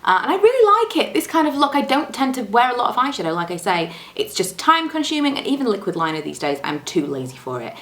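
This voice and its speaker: A woman's voice: fairly high pitch, big pitch swings, fast talker, hardly any pauses, a bit bright. Chatty young woman, slightly roomy sound. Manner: chatty, self-deprecating, rambling with fillers. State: voice low from a coming cold. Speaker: beauty vlogger. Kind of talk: casual makeup tutorial chat. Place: room at home, indoors. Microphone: camera close to the face.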